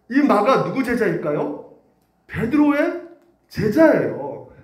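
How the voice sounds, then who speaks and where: A man's voice: very high-pitched, echoey room. A man preaching a sermon as pastor, asking the congregation questions and acting out quotes. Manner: animated, acts out quotes and asks the congregation questions. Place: church sanctuary.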